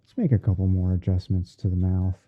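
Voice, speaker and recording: Very low-voiced man, muffled phone-like ASMR stream. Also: steady tone, a little fast, soft background music. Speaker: streamer hosting a roleplay. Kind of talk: ASMR livestream, narrating photo editing step by step. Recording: muffled phone-like band-limited audio.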